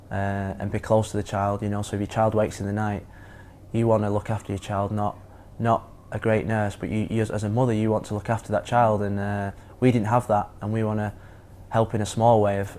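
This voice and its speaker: Guy in an interview, super monotone and low, earnest, bit of background hiss. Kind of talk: interview clip.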